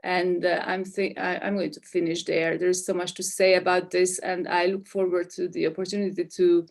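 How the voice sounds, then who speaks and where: A woman's voice: lowish voice, little pitch movement, normal speed, vocal fry. A woman presenting in an academic webinar over a video call, thoughtful and hesitant, with many fillers and restarts.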